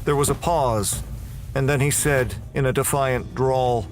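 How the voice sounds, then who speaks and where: A man's voice: mid-range voice, measured pace. A man performing scripted, dramatic first-person narration for a horror audio drama.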